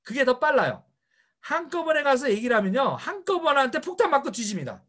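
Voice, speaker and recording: A man's voice: very high-pitched, very animated, fairly quick, a bit bright. A middle-aged man giving a motivational seminar lecture, firing rhetorical questions at his audience. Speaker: seminar speaker.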